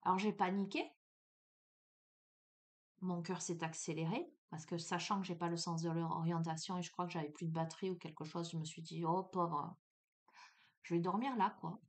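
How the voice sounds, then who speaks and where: A middle-aged woman who hosts a spiritual guidance channel tells a personal story directly to the listener, chatty and animated with lots of fillers. Her pitch is fairly low, her speed normal, and she pauses often.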